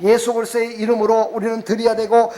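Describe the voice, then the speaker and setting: Speech comes at a very fast pace. Audible room echo and noticeable background noise surround it. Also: man. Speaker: pastor. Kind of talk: sermon. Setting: church.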